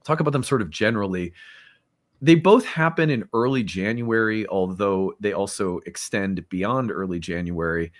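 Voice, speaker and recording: A man's voice: lowish voice, moderate pace, no echo. A man hosting an online talk show, making an earnest, upbeat appeal with some fillers. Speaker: host. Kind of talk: casual talk and fundraising appeal.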